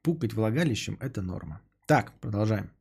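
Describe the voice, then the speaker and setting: A young man hosting a podcast, reading out donations and chatting casually, sarcastic and rambling, often trailing off into low mutters. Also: animated, a little fast, creaky, a little mellow, slightly rough. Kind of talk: casual stream chat.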